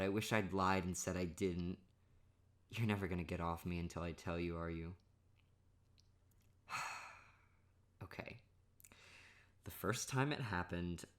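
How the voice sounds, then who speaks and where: A man doing a soft, playful boyfriend ASMR monologue, self-mocking and laughing often. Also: lowish voice.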